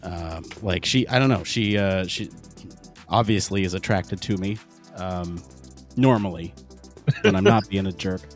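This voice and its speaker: Husky, sick man hosting a podcast. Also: low voice, a little slow, faint music behind. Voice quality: husky, raspy. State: sick, raspy voice with throat clearing. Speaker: podcast host. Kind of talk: casual livestream chat.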